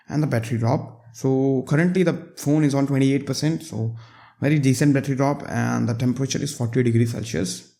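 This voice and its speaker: A man, chatting casually over his gameplay as a tech reviewer. His mid-pitched voice has a gravelly creak, and he keeps up self-deprecating asides to the viewers. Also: darkish tone.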